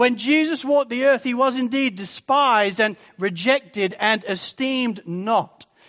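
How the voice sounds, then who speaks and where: The man's voice is extremely high-pitched, with ordinary pitch variation. He speaks at a moderate pace over a quiet background. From northern hemisphere country, moved to Australia. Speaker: pastor. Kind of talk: sermon. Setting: church.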